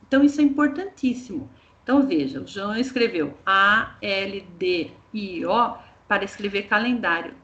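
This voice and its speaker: A Brazilian woman, a teacher trainer, walks a group through an online training session with patient, step-by-step explanations. Her voice sits a little on the high side. The sound is muffled and lo-fi, like audio from a video call.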